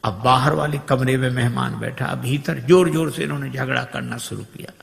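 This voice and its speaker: A man's voice: medium pitch, gravelly. A man preaching, telling a humorous devotional story with sung verses. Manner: lively storyteller, sings verses slowly. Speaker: spiritual preacher. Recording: long hall reverb.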